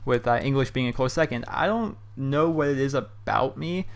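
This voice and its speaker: A man's voice: medium pitch, moderate pace, vocal fry. A young man hosting a casual question-and-answer show from his bedroom, talking loosely with lots of um and you know. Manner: loose and chatty, heavy on fillers like um and you know. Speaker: YouTube host answering viewer questions. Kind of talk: casual rambling commentary. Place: his hot bedroom at home.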